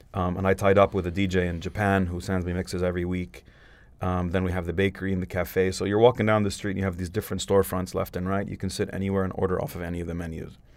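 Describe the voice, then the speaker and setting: A man's very deep, low voice with a Lebanese accent, very fast and in a monotone, flat intonation, on a very clean recording with a silent background. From Lebanon, Beirut. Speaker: entrepreneur. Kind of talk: casual interview.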